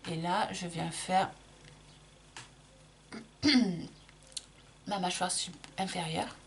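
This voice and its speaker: Chatty French-speaking woman, slightly gravelly. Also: fairly low pitch, flat delivery, extremely slow, slight background noise. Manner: chatty, explains while applying, frequent restarts and fillers. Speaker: makeup vlogger. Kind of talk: casual makeup tutorial.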